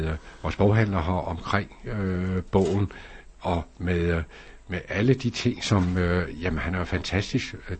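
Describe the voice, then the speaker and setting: Husky-voiced local radio host. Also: male voice, deep voice. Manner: rambling with many fillers. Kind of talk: casual radio chat. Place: radio studio.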